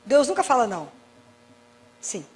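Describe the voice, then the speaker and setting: A Catholic doctor giving a faith talk, telling anecdotes and acting out dialogues with wry humor. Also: female voice, fairly high pitch, sing-song, a little slow, darkish tone, big-room sound. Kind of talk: preaching talk with lively anecdotes.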